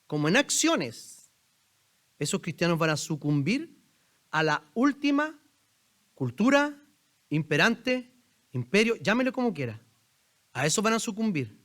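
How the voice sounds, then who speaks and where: The pastor, a Chilean-accented man, gives a sermon in a church sanctuary using a fairly bright voice that sits high for a man. He speaks in a conversational way, aiming questions right at his listeners.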